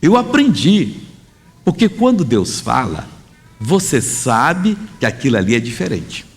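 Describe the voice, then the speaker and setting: A man preaching a sermon in a conversational, emphatic way, often pausing to correct himself. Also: mid-range voice, big pitch swings. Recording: long hall reverb.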